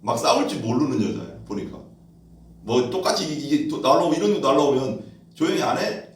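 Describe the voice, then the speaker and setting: A man's voice: medium pitch, sing-song, fairly quick. A male pastor preaching a sermon in a conversational way, asking rhetorical questions and acting out quoted voices. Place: church hall. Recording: echoey room from far off.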